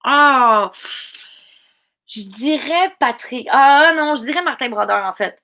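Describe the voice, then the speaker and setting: A young adult woman with a Québécois French accent, a guest chatting casually and animatedly on a podcast with many quick asides. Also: high-pitched, expressive, sharp tone. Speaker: guest, voice actress.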